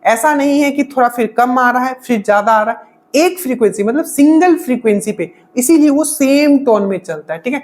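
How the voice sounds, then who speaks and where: A woman's voice: sits high, lively intonation, fairly quick, a little mellow. Chatty woman teacher, repeats "okay?". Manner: explains with constant "okay?" check-ins and repetition. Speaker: exam-prep teacher. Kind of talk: casual spoken lecture.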